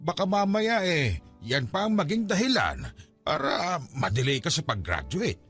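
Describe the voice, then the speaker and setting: Stubborn Filipino father, swooping pitch. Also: wildly swooping pitch, moderate pace, fairly bright tone, slightly rough, soft background music, full character voice. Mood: worried, insistent. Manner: insistent, protesting. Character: stubborn, hardworking ailing father of a student daughter. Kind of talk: radio drama acting.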